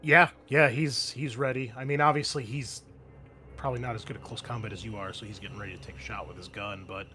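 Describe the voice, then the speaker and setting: A man narrating a tabletop game as game master, talking to his players in a halting, conversational way. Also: lowish voice, fairly even intonation, bright, forceful tone, a little hiss or hum. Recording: music behind the voice. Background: background music.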